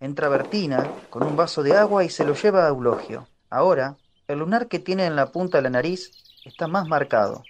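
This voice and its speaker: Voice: medium pitch, fairly quick, a little hiss or hum. Narrator reading stage directions.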